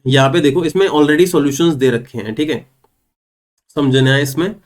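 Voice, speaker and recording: A young man giving an online exam-prep English lesson, explaining step by step and asking and answering his own questions. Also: on the high side. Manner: reads English example sentences slowly and clearly. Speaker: English teacher.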